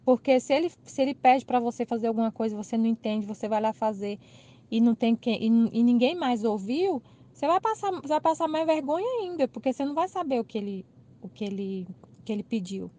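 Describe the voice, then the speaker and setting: A woman with a Brazilian accent recounts an everyday mix-up in a lively, chatty way. Her voice sits a little high, and she acts out the others' lines as she tells it. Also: brisk. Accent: Brazilian Portuguese. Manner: animated, laughing retelling with quoted dialogue. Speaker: channel host. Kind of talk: casual storytelling.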